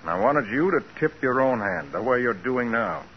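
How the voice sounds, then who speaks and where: An actor playing a cool, tough private detective, wry and composed, in a 1940s radio crime drama. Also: male voice, medium pitch, very animated, moderate pace, lightly acted. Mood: cool, defiant. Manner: wry, composed, matter-of-fact. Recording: muffled, hissy 1940s radio recording.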